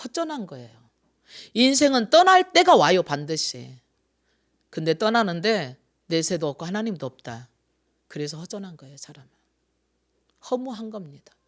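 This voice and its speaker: A pastor in their sixties preaches a Sunday sermon, putting question after question to the congregation. Key phrases come back again and again, first pushed out loud, then let fall into a soft aside. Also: medium pitch, very animated, normal speed, pauses often. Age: 60s.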